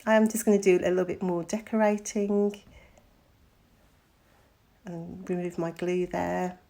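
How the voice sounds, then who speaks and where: Croaky woman chatting through a craft tutorial. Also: on the low side, flat delivery, unhurried, mellow. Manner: chatty, with frequent ums. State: croaky after illness. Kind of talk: casual craft tutorial voice-over.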